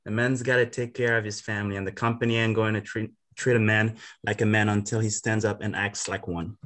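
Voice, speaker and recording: A man's voice: lowish voice, fairly even intonation, fairly quick, a bit bright, close to an everyday voice. A man reading the part of an earnest, proud miner and father, plain-spoken in rural Southern vernacular, in a drama table read. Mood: earnest, insistent.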